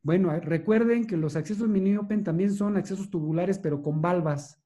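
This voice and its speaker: A man, a neurosurgeon giving a measured, explanatory lecture and answering questions, with hesitations and restarts. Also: sits high, dark tone.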